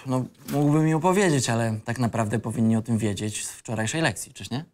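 A man's voice: mid-range voice, a little fast, a little mellow, natural voice. An actor playing a cocky, disillusioned young male student in an audio drama script reading, with an insolent, ironic and reflective manner. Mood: cheeky, defiant.

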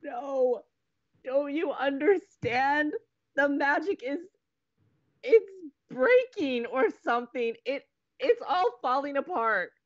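A dramatic young woman co-hosting college radio in an audio drama. She is emphatic and easily exasperated, her pitch moving widely. The sound is slightly muffled. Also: expressive, takes it slowly. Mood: distressed. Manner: melodramatic, emphatic.

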